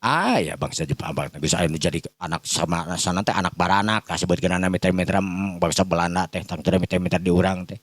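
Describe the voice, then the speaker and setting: Male storyteller, Sundanese accent, lowish voice, close dry sound, informal rambling folk-tale delivery. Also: fast, hardly any pauses, dry recording. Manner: rambling, repetitive, often addressing listeners.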